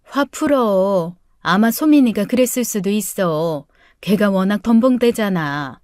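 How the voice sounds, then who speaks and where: A woman's voice: mid-range voice, animated, unhurried, no echo, studio quality, close to an everyday voice. A woman voicing a worn-out, hurt wife. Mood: pleading. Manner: pleading, then bursting into shouts. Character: hurt, overworked middle-aged wife.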